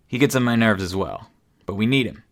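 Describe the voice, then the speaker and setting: A woman's voice: rumbling low, fairly quick, voice pushed down. Woman doing a practical halfling thief. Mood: matter-of-fact.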